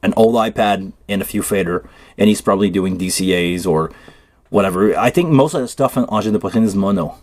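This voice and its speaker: Low-pitched, fairly quick and slightly mellow, the voice comes from a Quebec-accented man whose first language is French. He hosts a casual tech stream, chatting in a loose, rambling way while he puts together a cable.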